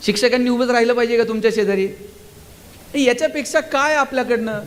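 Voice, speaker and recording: A man delivers a fired-up motivational speech to a school crowd, and his voice sits unusually high for a man. He drives his points home with one rhetorical question after another. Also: steady tone, brisk. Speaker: motivational speaker. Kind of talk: stage speech to students and teachers. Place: school gathering.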